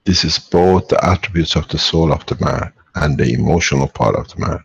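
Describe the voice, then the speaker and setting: A man's voice: very deep voice, a little fast, vocal fry, lo-fi sound, a little hiss or hum. A man leading a spiritual workshop and taking callers, talking in a rambling, insistent way and often cutting in. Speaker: workshop speaker answering callers. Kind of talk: spiritual talk and Q&A.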